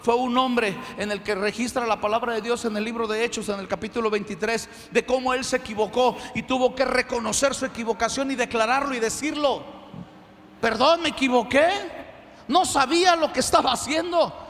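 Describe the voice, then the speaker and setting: A man preaching a sermon as pastor, emphatic and animated, in a church. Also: very high voice, brisk, few pauses, long reverb tail.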